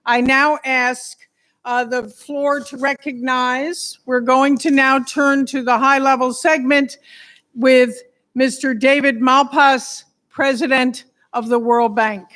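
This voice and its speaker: A woman's voice: sits high, little pitch movement, slow, a bit bright. A woman moderating a formal summit, introducing speakers in a ceremonious manner. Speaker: event moderator.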